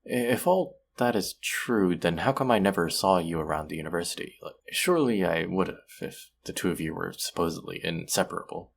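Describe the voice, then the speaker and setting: A man acting as a friendly young guy in an intimate audio drama. His voice sits very low, with a gravelly, husky grain. He talks gently and conversationally, sometimes hesitating, like someone sympathetic getting to know a new acquaintance. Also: expressive, a little fast, few pauses, heavily acted. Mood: curious, puzzled. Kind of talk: intimate one-sided audio roleplay acting.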